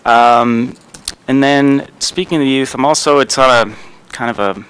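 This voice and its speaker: A man serving as mayor, giving rambling remarks at a township council meeting with many pauses and fillers. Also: medium pitch, a bit bright, clear, resonant tone, poor audio. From New Jersey. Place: council chamber.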